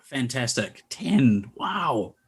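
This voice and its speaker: A man's voice: medium pitch, sing-song, extremely slow, breathy edge. A man from Australia chatting wryly over a video call at a party, rambling and joking. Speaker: party guest. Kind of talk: casual chat on a video call.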